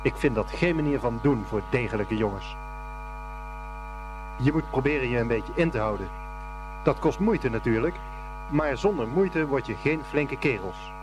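An actor playing a kindly, pious Catholic brother and headmaster in a radio play, patient and preachy. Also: male voice, mid-range voice, lively intonation, moderate pace, pauses often, music in the background, natural voice. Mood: earnest admonishing.

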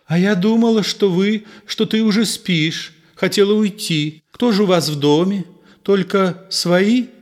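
A man playing a high, eager young girl. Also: unhurried. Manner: high, bright, pleading. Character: young woman, girlish, eager and tender. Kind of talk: reading a play aloud.

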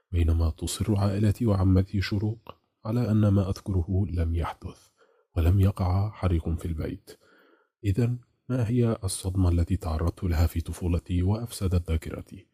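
A man voicing a troubled, bitter middle-aged caller in an audiobook, with restrained anger, in a husky, very dark, low voice. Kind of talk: audiobook character reading.

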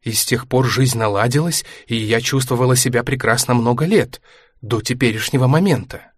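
A man reading a book aloud, voicing an aging former ballerina who is anxious, proud and sharp-tongued, in a higher, tense voice. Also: moderate pace, breathy edge, no room sound, clean studio sound, natural voice. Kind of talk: audiobook character reading.

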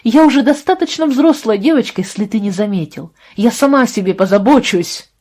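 A woman's voice: a little high, sing-song, normal speed, warm tone, husky, voice pushed up. A woman reading an audiobook, voicing an upset, defiant teenage girl in raised, indignant outbursts.

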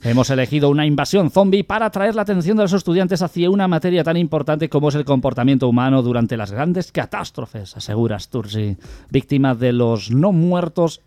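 A man's voice: fairly high pitch, warm tone, dry recording. A man hosting a radio comedy show, reading odd news stories and telling jokes.

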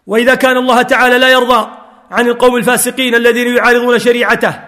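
High-pitched guy preaching a sermon, fervent, big echoey hall with long reverb. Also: little pitch movement, racing, pushed and bright. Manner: fervent, quotes scripture and stories.

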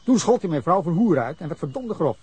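A husky, indignant witness. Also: male voice, a little high, sing-song, fairly quick, darkish tone, heavily acted. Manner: indignant, rambling account with bursts of anger. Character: defensive middle-aged man telling police of a drunken brawl. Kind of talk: Dutch radio drama acting.

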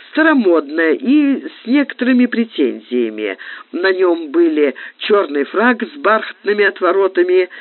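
Guy reading a novel aloud, really animated intonation, tinny phone-like sound. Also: sits high. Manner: expressive, theatrical phrasing. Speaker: audiobook narrator. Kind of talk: literary audiobook reading.

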